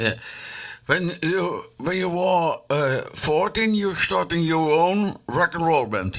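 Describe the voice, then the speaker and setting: A man talks at a very slow pace with ordinary pitch variation. His pitch is high. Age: 60s. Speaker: interviewer. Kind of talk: interview. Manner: halting.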